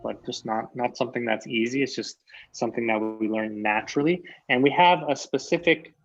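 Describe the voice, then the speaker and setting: A man's voice: mid-range voice, a little fast. Canadian man teaching English over a muffled line. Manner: patient, repeats key phrases. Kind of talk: online English lesson.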